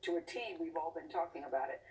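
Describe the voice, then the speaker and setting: A woman's voice: low voice, fast talker, darkish tone. Woman TV interviewer, chatty and polished. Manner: conversational, mixes scripted report lines with chatty questions. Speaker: TV interviewer and correspondent. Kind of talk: broadcast interview and report. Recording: distant mic with faint ambient noise.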